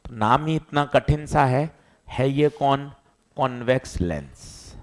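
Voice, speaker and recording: Male physics teacher, energetic lecture delivery, asks then answers. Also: medium pitch, takes it slowly. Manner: lively, quizzing students and answering himself. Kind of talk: classroom lecture.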